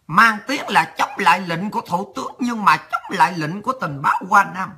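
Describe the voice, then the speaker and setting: A woman's voice: mid-range voice, a little fast, pushed and bright, breathy edge. A woman with a Southern Vietnamese accent delivering a heated, sarcastic, coarse political rant as a commentator.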